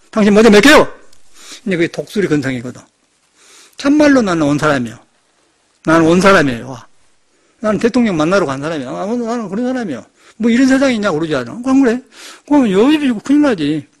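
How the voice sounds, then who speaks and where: An older Buddhist monk gives a sermon in a temple hall. His voice sits high and swings widely. He tells stories with animated energy. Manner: animated storytelling, acting out shouted quotes. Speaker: Buddhist monk giving a dharma talk.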